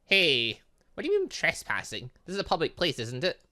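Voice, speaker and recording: A man's voice: a little high, wildly swooping pitch, brisk, bright, forceful tone, exaggerated voice. A man voicing a brash, cheeky seventeen-year-old girl in a visual novel, mouthy and indignant.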